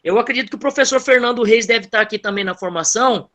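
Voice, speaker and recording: A man's voice: extremely high pitch, fast talker, bright, forceful tone. A male school music teacher sharing a classroom experience with other teachers, with many fillers and restarts.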